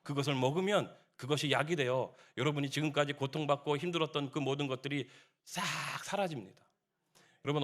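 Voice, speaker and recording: A man preaching a dawn sermon as pastor, exhorting the congregation with rising emphatic appeals. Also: a little high. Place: church sanctuary.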